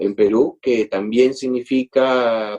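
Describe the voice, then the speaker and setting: The sound is dry and close with no echo. A man with a medium pitch speaks at a very slow pace with a Lima accent. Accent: Lima Peruvian Spanish. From Peru, Lima. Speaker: Spanish teacher. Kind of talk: interview. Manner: halting, many repetitions and fillers.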